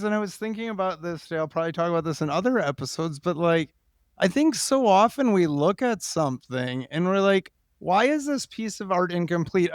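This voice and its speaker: A man's voice: sits high, no echo, studio quality. A man hosting a podcast, interviewing in a casual way and thinking aloud informally. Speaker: podcast host.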